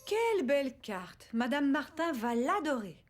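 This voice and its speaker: A woman's voice: high voice, sing-song, a little slow. A woman voicing a patient, encouraging preschool teacher in a children's cartoon, praising and instructing step by step. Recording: music behind the voice.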